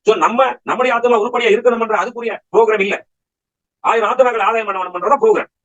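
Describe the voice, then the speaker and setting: A man's voice: very high-pitched, fairly even intonation, rapid-fire, a bit bright, lo-fi sound. A man preaching a Bible study sermon, firing rhetorical questions at his listeners and pressing his points with emphatic exhortation.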